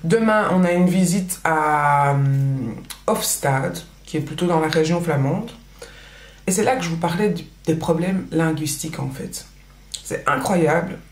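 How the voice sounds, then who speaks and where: A woman's voice: sits low, a little slow. Woman, Belgian French accent, native Dutch speaker, casual rambling chat, roomy echo. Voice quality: chatty, many fillers and restarts. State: pregnant. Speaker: vlogger. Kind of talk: casual chat while doing makeup.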